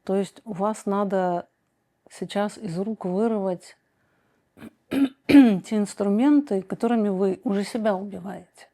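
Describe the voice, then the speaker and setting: A woman psychoanalyst answering viewer questions in a calm, slow, deliberate way, with frequent pauses and hesitant fillers. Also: medium pitch. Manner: reads viewer questions aloud, then answers directly. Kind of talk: calm measured advice monologue.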